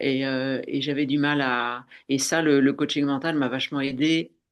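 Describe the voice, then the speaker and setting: Against a quiet background, a woman talks at a very slow pace in a very deep, low pitch. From France, Le Mans. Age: 60s. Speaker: coaching client. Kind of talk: testimonial interview. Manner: hesitant, many fillers.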